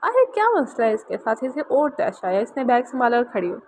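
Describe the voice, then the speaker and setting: A woman narrating a romance novel as an audiobook, steady and expressive. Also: a little high, fairly quick, a little hiss or hum, poor audio.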